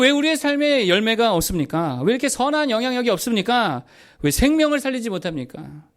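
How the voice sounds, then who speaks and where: A male pastor preaching a sermon, asking rhetorical questions and answering them himself, building to emphatic peaks. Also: high-pitched. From South Korea.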